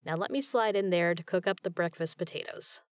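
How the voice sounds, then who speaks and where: Low, tender girlfriend voice, close and dry, acted by a woman. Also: brisk, no echo, close to an everyday voice. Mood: playful, teasing.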